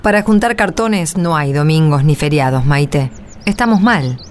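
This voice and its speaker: A woman's voice: low voice, expressive, moderate pace, a little hiss or hum. A woman playing a proud, weary, poor mother in a radio drama, plain-spoken, with an Argentine accent.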